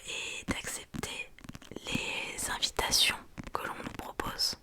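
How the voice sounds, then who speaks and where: Woman in a slow library whisper. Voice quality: soft library whisper, unvoiced. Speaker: ASMR creator. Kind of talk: whispered ASMR book talk.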